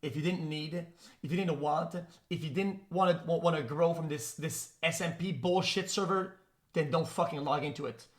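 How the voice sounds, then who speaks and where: A man on a live stream reacts to a video with a rapid, profane rant aimed at his chat. his voice sits a little above the usual pitch, and he stumbles over and repeats his words as he pushes his argument.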